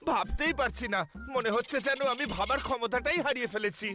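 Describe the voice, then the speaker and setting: A performer voicing a hapless, good-natured cartoon gentleman who sounds flustered, hesitant and complaining in a children's dub. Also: mid-range voice, brisk, faint music behind, natural voice. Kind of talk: dubbed children's cartoon acting.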